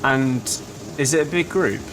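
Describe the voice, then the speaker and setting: A man's voice: medium pitch, measured pace, a bit bright, a little hiss or hum. A man playing a young man booking a gym class in a scripted lesson dialogue. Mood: casual.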